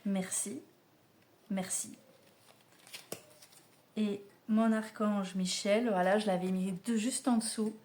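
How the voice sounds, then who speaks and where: A woman's voice: medium pitch, fairly even intonation, normal speed, few pauses, darkish tone, a little hiss or hum. A woman giving a casual spiritual oracle card reading to camera, chatty and familiar, speaking straight to the listener. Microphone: camera mic, filmed mirrored.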